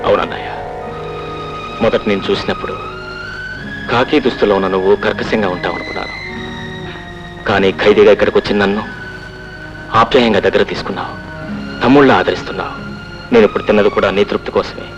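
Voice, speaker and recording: An actor playing a starving young prisoner who turns from bitter to earnest in an old film scene. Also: male voice, on the high side, normal speed, pauses often, natural voice. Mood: grateful. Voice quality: bitter at first, then earnest. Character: starving young male prisoner, bound, turning grateful. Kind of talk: 1970s Telugu film acting. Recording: dull old film soundtrack with music.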